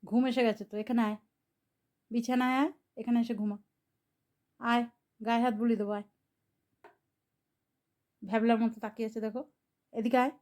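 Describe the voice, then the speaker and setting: A woman with a fairly high voice talks to her kitten while she films at home. She coaxes it toward her in soft calls, then scolds it with firm reproach when it bites and plays rough. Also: level tone, a little fast, long pauses. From Bengal. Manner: coaxing and scolding a pet, shifting between soft calls and louder reproach. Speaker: vlogger.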